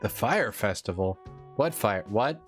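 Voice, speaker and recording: A man's voice: fairly low pitch, lively intonation, measured pace, faint music behind. A man streaming a game, rambling playfully and teasing himself as he plays. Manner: rambling, self-mocking, playful. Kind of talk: casual gameplay livestream chat.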